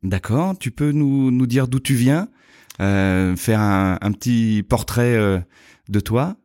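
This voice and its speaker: French podcast host asking short questions. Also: male voice, medium pitch, slow pace, darkish tone, no room sound, studio quality. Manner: brief prompting questions. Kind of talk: podcast interview.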